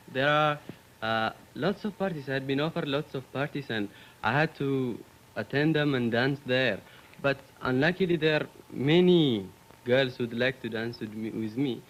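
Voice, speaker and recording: A man's voice: mid-range voice, slight background noise, rough recording. Earnest teenage Ethiopian-accented young man. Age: late teens. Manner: earnest, halting with fillers. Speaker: student panelist.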